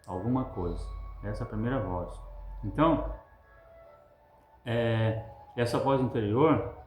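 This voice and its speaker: A man's voice: fairly low pitch, a little slow, darkish tone, soft background music. A preacher gives a sermon, repeating his points with emphasis and asking the listeners rhetorical questions. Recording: roomy echo.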